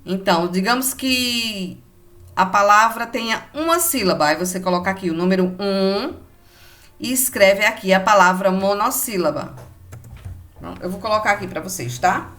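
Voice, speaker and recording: A woman's voice: medium pitch, moderate pace, a bit bright. A woman teacher with a Brazilian Portuguese accent, patiently giving a remote lesson to children and explaining each step in an affectionate way.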